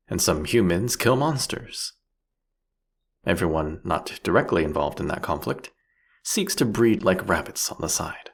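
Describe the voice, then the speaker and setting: A man playing a proudly ruthless, philosophical vampire king in a fantasy audio roleplay, speaking eloquently and mockingly in a drawn-out, theatrical way. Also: deep voice, vocal fry, exaggerated voice. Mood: wry, philosophical.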